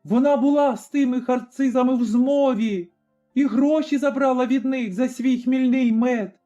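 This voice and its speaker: A young servant girl in a folk tale speaks out in a high, urgent, accusing voice, as a male storyteller puts her on. The tone stays dark and soft under the raised pitch. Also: normal speed, muffled recording, soft background music.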